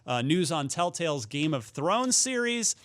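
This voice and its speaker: A man's voice: on the high side, sing-song, measured pace, a bit bright. A man hosting a video games talk show, moving between upbeat presenting and casual chat. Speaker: show host.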